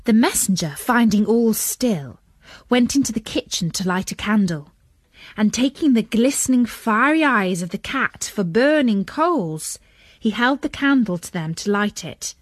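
Female children's storyteller: expressive, animated intonation, unhurried pace, music behind. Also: a little high, no echo. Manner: expressive, dramatic. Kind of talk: scripted children's story narration.

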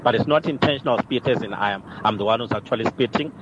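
A man's voice: medium pitch, fast talker. A man leaves a hesitant voice message, with lots of uh and restarts, played on air as a listener question. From Lombardy, Italy. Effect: recorded voice message played on air. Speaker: listener calling in. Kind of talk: casual voice message. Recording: muffled lo-fi voice note with street traffic.

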